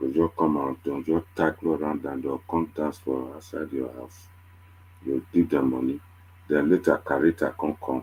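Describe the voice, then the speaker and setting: This man's very deep, low voice carries vocal fry and fairly even intonation. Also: moderate pace. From Nigeria, Benin City. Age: 60s. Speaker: online commentator. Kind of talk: casual monologue in Nigerian Pidgin.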